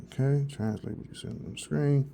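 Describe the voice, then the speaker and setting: A man talks viewers through a new phone's translation feature in a loose, rambling vlog. He circles back and restarts his sentences, then earnestly tells people to go get one. His voice sits at an ordinary middle pitch. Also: normal speed, gravelly, dark tone, slight background noise. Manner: rambling and repetitive, with frequent restarts; earnest, directly urging viewers. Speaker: vlogger reviewing a phone. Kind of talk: casual product demo.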